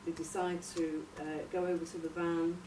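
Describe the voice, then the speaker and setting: A woman informally pitching a story outline in a tentative, halting way, searching for her words. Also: little pitch movement. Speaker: workshop participant presenting a radio drama outline. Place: echoey room, recorded from a distance. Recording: roomy, distant mic, noisy background.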